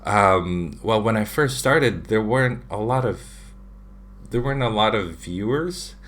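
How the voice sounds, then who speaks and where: Speaking through his desk webcam, a chatty Filipino drawing-channel host in his thirties reads out viewer questions, padding his answers with fillers. His voice sits on the low side, animated, unhurried and a bit bright. The casual livestream comes from his home room lined with shelves of figures.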